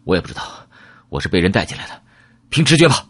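A man's voice: sits low, sing-song, fast, a bit bright, heavily acted. A man voicing a tough, foul-mouthed young male gunman who talks curtly and swears. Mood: brusque. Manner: gruff, curt, swearing.

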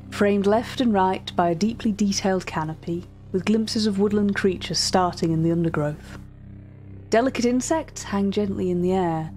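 Brief: female actor as a precise, formal curator for an eerie fiction podcast, measured delivery, mid-pitched, faint music underneath. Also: close to an everyday voice. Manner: formal, measured, hushed at times. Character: meticulous, eerie auction-house curator describing strange artworks. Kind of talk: scripted dramatic narration, dictated catalogue entries. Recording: music behind the voice.

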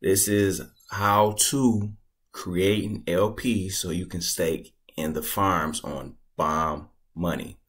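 A man casually talking through a screen-recorded tutorial at his computer, laid-back and thinking out loud as he goes. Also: low-pitched, fairly even intonation, takes it slowly, husky. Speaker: crypto tutorial creator.

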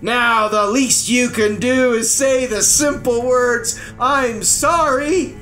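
A woman's voice: a little high, takes it slowly, fairly bright tone. A woman voicing an earnest, outspoken boy in a storybook, blunt and firm, with music behind. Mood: scolding. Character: earnest, outspoken young boy scolding a king.

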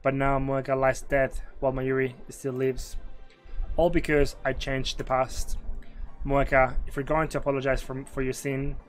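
A man streaming a game, reading its narration aloud slowly and earnestly and chatting loosely in between. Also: mid-range voice, level tone, soft background music. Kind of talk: reading a visual novel aloud with commentary.

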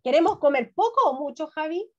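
A woman's voice: high voice, expressive, brisk, a little mellow. A middle-aged woman teaching young children an online class, encouraging and full of questions. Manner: encouraging, asks many questions. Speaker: primary school teacher. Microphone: video call. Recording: dull lo-fi video call audio.

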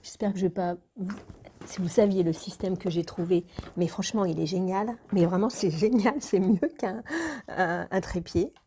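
Talking at a normal speed, a woman with a lowish, warm, husky voice addresses her viewers in a relaxed, rambling vlog. Every so often she turns to speak to her cat.

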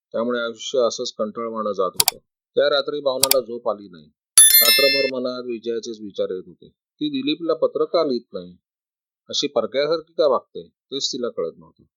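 A man's voice: mid-range voice, fairly bright tone. A man narrating a story, reading every part himself and lifting his voice a little for the women's lines. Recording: dry, slightly dull recording.

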